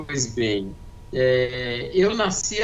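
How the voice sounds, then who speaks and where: Audible room echo surrounds a man whose pitch swings very widely. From Brazil, Salvador, Bahia. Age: 60s. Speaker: cultural foundation director, architect. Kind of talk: interview conversation.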